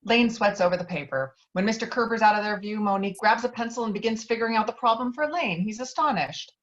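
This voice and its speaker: A woman's voice: mid-range voice, animated, fast talker, highs cut off. A woman reading out stage directions as scripted narration of a screenplay.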